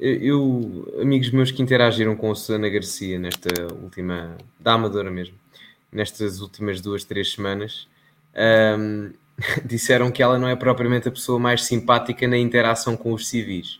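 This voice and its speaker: A man talks at a moderate pace in a plain, everyday voice. His pitch is medium, with ordinary pitch variation. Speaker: political podcast host. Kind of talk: casual political debate.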